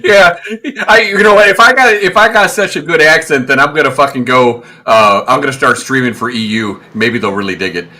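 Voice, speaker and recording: A man's voice: medium pitch, a little fast, bright, forceful tone, a little hiss or hum. A man from Chicago with a Chicago accent, chatting bluntly and profanely about an online game as a guest on a stream. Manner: blunt, profane, laughs easily. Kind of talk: casual gaming chat.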